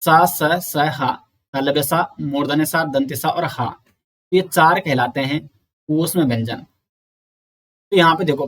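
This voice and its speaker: A man giving an exam-prep lecture, explaining slowly, repeating sounds and counting aloud. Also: on the high side, fairly bright tone. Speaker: teacher.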